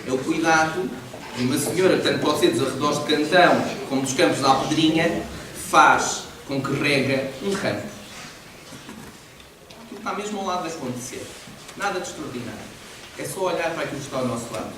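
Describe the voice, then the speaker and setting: A man's voice: a little high, brisk. A man teaching a poetry class, explaining with animation and frequent laughs. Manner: lively, explanatory, laughs often. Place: large echoey library hall. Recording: echoey hall, distant mic, noisy.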